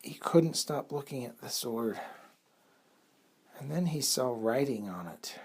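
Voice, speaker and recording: A man improvising a bedtime story for children, in an unhurried, halting way with a slightly husky, breathy voice. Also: mid-range voice.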